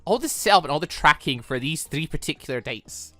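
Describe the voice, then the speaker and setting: A man's voice: a little high, lively intonation, brisk, pushed and bright, no echo, soft background music. A man giving casual, rambling let's-play commentary as a gaming video host, often correcting himself mid-thought. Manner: rambling, self-correcting, informal.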